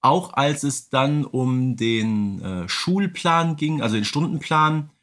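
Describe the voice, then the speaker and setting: A man's voice: medium pitch, animated, slow, a bit bright. Male co-host, casual and conversational, keeps checking in with short tag questions. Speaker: podcast co-host. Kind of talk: casual chat about audio dramas.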